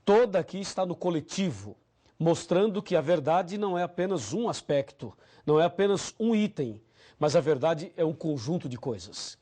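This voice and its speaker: A man with a Brazilian accent, a pastor teaching a recorded Bible study. He reads scripture slowly and puts direct questions to the viewer. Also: a little high, lively intonation, mellow. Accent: Brazilian Portuguese.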